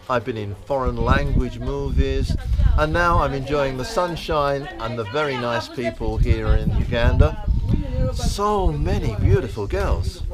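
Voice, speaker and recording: A man with a London accent, an actor answering interview questions in a measured way with soft fillers. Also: medium pitch. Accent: London English. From England. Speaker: guest actor and presenter. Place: film set in Uganda. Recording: crowd chatter behind.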